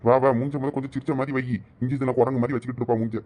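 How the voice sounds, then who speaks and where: A man's voice: medium pitch, flat delivery, very fast, background noise, close to an everyday voice. A man playing a patient village husband, chiding and reassuring in a Thoothukudi Tamil accent.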